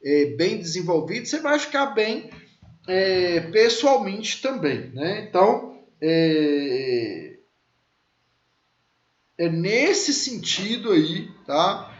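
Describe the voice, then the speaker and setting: A man in his thirties gives a law class with a high, bouncy voice that rises and falls a lot. He tells stories casually, full of fillers, and checks in with his listeners. The sound is roomy and echoey, a little dull. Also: sing-song, slow pace, pauses often. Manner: chatty, many fillers, asks listeners questions. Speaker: law lecturer. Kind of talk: teaching through personal stories.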